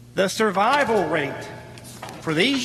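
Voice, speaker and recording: Music plays in the background and the room echoes audibly as a man speaks at a fairly slow pace in an animated tone with very wide pitch swings. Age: 60s. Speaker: public commenter at school board meeting. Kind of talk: public comment speech. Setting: public meeting.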